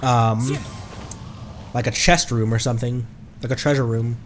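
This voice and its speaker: A man's voice: mid-range voice, steady tone, moderate pace, slight background noise. A man commentating live on a game he plays and reading its text aloud, in a playful, exclaiming manner. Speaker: game streamer. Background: music.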